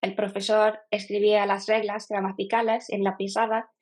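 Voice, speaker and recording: A Norwegian woman in her thirties, a non-native speaker, answering as an interview guest, often pausing and restarting as she talks. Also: mid-range voice, little pitch movement, darkish tone. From Norway. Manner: hesitant, with frequent fillers and restarts. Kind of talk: casual interview.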